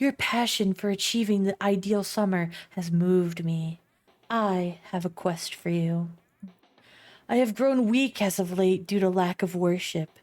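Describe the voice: A woman puts on a booming character voice at a medium pitch and moderate pace. The recording is very clean, with a silent background.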